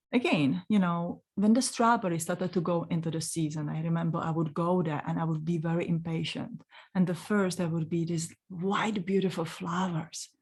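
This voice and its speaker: A woman in her forties with a Czech accent, telling a personal story in a gentle, unhurried way and speaking directly to the listener. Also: on the low side, breathy edge. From Czech Republic. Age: 40s. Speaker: spiritual channeler.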